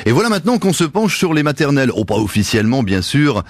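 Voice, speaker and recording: A man's voice: mid-range voice, very animated, fast talker, no room sound. A man with a French accent from France, presenting and interviewing as a radio host.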